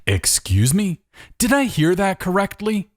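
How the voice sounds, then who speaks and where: A man's voice: sits high, wildly swooping pitch, measured pace, over music. A man delivering scripted rebuttal commentary as a video host, in a sarcastic manner full of rhetorical questioning.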